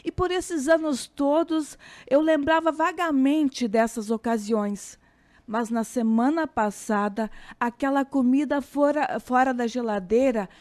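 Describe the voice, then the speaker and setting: A woman with a Brazilian accent giving a calm, reflective scripted radio commentary, slowing down on key phrases. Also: high voice. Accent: Brazilian Portuguese.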